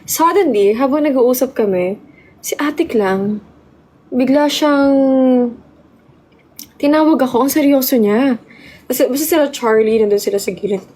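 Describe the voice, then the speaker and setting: A young woman telling a story on a casual live stream, chatty and excitable. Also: high voice, unhurried, pauses often. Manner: chatty, excitable, mixes Tagalog and English.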